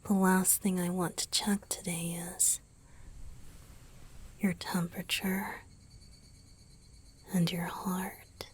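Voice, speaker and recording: A woman voicing a tender romantic young male vampire boyfriend in a gentle, breathy whisper for an ASMR roleplay. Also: lowish voice, little pitch movement. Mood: gentle, caring. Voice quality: breathy, airy. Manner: slow, gentle, intimate.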